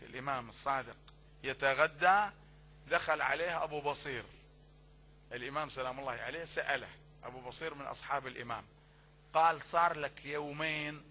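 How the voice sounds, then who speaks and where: A man preaching a sermon with emphatic bursts that drop to low asides, addressing listeners fondly and acting out quoted dialogue. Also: pushed and bright, a little hiss or hum.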